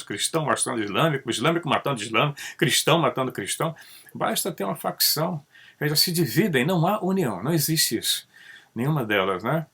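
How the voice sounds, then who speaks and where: A man from Brazil, talking through ideas in a casual monologue, tagging sentences with a questioning "né" and swinging his pitch up and down. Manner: conversational, tags sentences with "né?"; animated, pitch rising and dropping often. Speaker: channel host.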